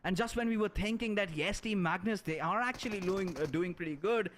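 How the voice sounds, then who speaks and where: A man giving excited play-by-play esports commentary as a caster, with dramatic, emphatic delivery. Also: sits high, brisk. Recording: clear background noise, game gunfire. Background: video game gunfire.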